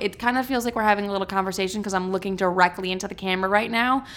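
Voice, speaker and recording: Her tone animated, bright and sharp, a woman speaks at a medium pitch with ordinary pitch variation. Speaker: podcast host. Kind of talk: casual solo chat, monologue with profanity. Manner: animated, chatty; stumbles and stutters on words.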